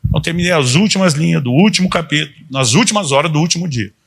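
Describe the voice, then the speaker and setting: A man's voice: a little high, expressive, rapid-fire, vocal fry, fairly bright tone, husky. A man in his fifties, a pastor giving a conversational sermon and acting out quoted dialogue as he tells stories. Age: 50s.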